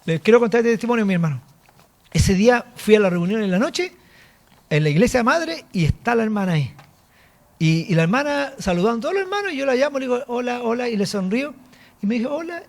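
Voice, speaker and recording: Speaking at a quick pace with a very high-pitched voice, this Chilean man delivers a sermon as an apostle. He tells his own testimony with lively storytelling, voicing the dialogue as he goes.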